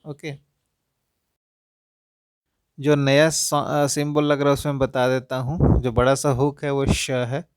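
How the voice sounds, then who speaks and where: A man teaching parents how to help children read, speaking deliberately, sounding out words syllable by syllable and repeatedly addressing them as dear parents. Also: medium pitch, level tone, clear, resonant tone, no echo, studio quality. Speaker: English reading tutor for parents. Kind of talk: instructional talk to parents.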